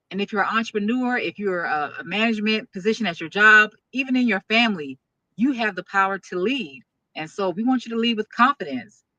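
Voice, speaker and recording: Upbeat woman host with a bright, forceful voice and a dry, close sound; eager and promotional. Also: mid-range voice, dry recording, lo-fi sound. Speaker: podcast host and speaking coach. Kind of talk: hosting a business interview show.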